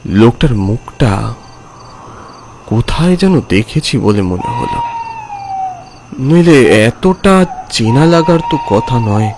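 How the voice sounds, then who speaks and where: A man's voice: mid-range voice, huge pitch swings, noisy background, heavily acted. An actor playing a brooding middle-aged man who narrates a dramatic ghost story haunted by a lost first love. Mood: brooding, wistful. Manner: slow, brooding, theatrical.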